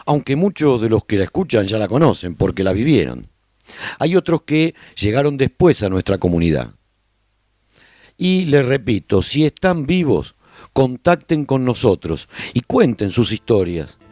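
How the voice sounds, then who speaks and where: A man's voice: medium pitch, very animated, moderate pace, a little mellow, no room sound, studio quality. A man playing a survivor who tells his community's story to listeners in a radio serial, speaking conversationally and directly to them. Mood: welcoming, earnest. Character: male survivor broadcasting his community's story after humanity's collapse.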